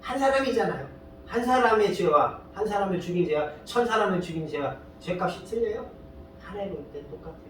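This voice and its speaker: Expressive and brisk, this man delivers a sermon as pastor in colloquial, storytelling fashion. He peppers listeners with rhetorical questions and nudges them with "eh?" The recording comes from a distant mic in a very echoey hall, with a faint rumble.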